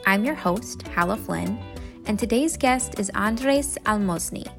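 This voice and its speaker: A woman's voice: medium pitch, lively intonation, unhurried, gravelly, faint music behind. A woman hosting a podcast, speaking in a casual interview style. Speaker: podcast host.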